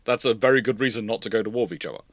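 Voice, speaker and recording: A man with a fairly low voice speaks in a dry, unechoing space. He hosts a casual analytical discussion and circles back to rephrase his points in a discursive way. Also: racing, no echo. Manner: discursive, repeats and rephrases phrases. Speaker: host of naval history livestream.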